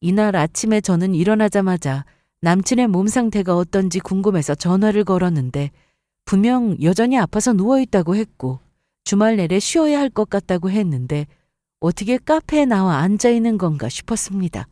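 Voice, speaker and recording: Female story narrator, mid-pitched, dark mellow voice, scripted first-person delivery. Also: animated, normal speed, dry recording, studio quality.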